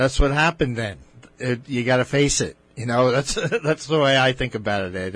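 At a moderate pace, a man uses a normal speaking voice, medium in pitch, with ordinary pitch variation. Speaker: radio host. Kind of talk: radio interview. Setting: radio studio.

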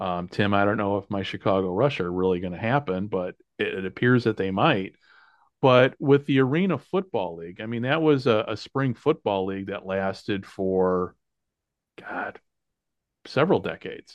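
Ordinary pitch variation marks a normal speaking voice that keeps a moderate speed. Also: man, fairly low pitch for a man. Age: 50s. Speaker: podcast host. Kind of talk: casual chat. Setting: home studio.

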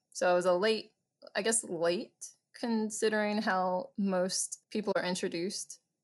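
In an unremarkable speaking voice, a woman with an American accent speaks at a moderate pace and medium pitch with fairly even intonation. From West Texas, Abilene. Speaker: software developer and project manager. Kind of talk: casual interview. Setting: call.

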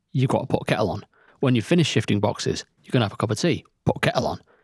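Recorded with a dry, close sound and no echo, a man speaks at a very fast pace with vocal fry and very wide pitch swings. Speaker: podcast co-host. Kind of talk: casual chat. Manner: joking, animated.

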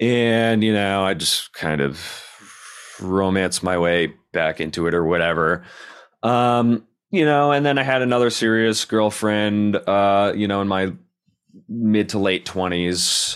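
A man with an American accent speaks in a normal speaking voice at a fairly low pitch, fairly slow pace, ordinary pitch variation and very even loudness. The recording is very clean, with a silent background. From US Northeast, rural northwestern Rhode Island. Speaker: Marine veteran, poet and musician. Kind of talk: casual chat.

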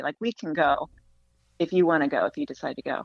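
The speaker has an ordinary speaking voice with an American accent. The pace is fairly quick. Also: woman. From US West Coast, San Francisco Bay Area. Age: 50s. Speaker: adoptee sharing her story. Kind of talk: casual interview. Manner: reflective, with pauses.

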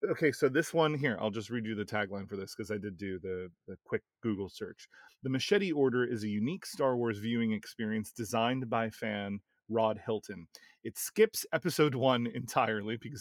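With a fairly quick pace and a medium pitch, a man talks in an unremarkable speaking voice with ordinary pitch variation, in a very clean recording with a silent background and a dry, close sound with no echo. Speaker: podcast host. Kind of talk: casual banter.

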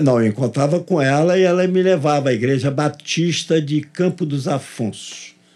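In a normal speaking voice, a man talks at a fairly high pitch with ordinary pitch variation and very even loudness. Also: moderate pace. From Rio de Janeiro, Brazil. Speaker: church deacon. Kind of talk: casual interview chat.

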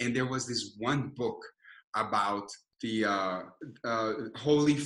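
A bright, sharp voice with a Spanish accent, very slow, with long, frequent pauses and ordinary pitch variation. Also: man. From Colombia, Cali. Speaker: advertising agency founder. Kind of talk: interview.

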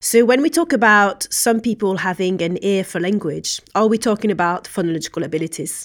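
A woman with an unremarkable speaking voice talks at a medium pitch, at a fairly quick pace with hardly any pauses. The recording is very clean with a silent background. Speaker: psychology lecturer and podcast host. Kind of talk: interview.

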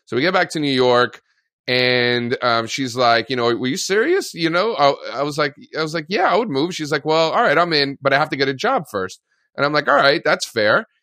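A man at a fairly high pitch, with a bright, sharp tone and a fairly quick pace. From Miami, Florida (Cuban-American family). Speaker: technical analyst, research editor. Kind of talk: interview. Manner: casual, filler-heavy.

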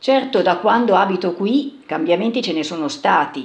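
An ordinary speaking voice from a woman, at a moderate pace with lively intonation. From Turin, Italy. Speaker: neighbourhood resident. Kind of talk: personal testimony.

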